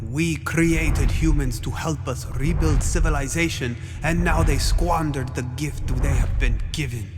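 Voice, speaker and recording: Guy doing angry pompous god villain, highish voice, big reverb, audio drama. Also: a little slow, few pauses, close to an everyday voice. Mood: wrathful, righteous. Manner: pompous, declamatory. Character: wrathful, zealous Anunnaki son, self-righteous godlike destroyer. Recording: long cavernous reverb over music.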